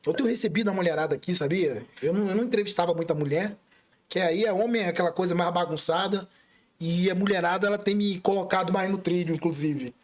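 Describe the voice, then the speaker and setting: A man's voice: sits high, fast talker. A man hosting a casual online interview. He talks in a chatty, joking way, with frequent restarts and asides to his audience. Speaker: radio host, interviewer.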